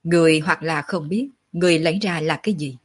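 A woman's voice: deep voice, slightly rough. A woman voicing a stern old patriarch. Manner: measured, commanding, calls himself old man. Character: stern dignified old male clan patriarch.

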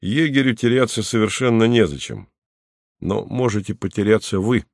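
A man voicing a stern male commander who speaks quietly and coldly in an even voice. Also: lowish voice, normal speed, dry recording, studio quality. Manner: quiet, flat, cold.

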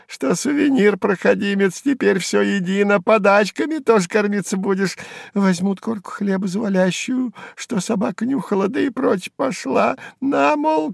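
A man voicing a shrill, mocking old hanger-on who chatters and cackles in a squeaky, sing-song voice. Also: creaky, dry recording, studio quality, exaggerated voice. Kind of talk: audiobook character voice.

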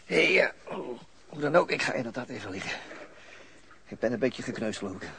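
An actor playing a weary, thoughtful police detective in a radio drama, with a hesitant, halting way of talking. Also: male voice, mid-range voice, sing-song, gravelly, a bit bright. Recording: noisy archived radio drama recording.

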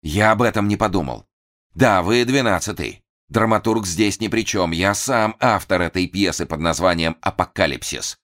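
A man's voice: deep voice, normal speed, a bit bright, pitched above the performer's own voice. A man voicing a grandiose, mad theatre assistant who declaims in a pompous, menacing way in an audiobook. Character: grandiose madman stage assistant with pistol.

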